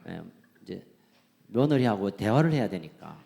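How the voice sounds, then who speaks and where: Jokey pastor in a reverberant church. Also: male voice, fairly low pitch, sing-song, normal speed, gravelly, mellow. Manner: jokey, playful, chuckling often. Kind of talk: sermon with humorous dialect reading. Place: church sanctuary.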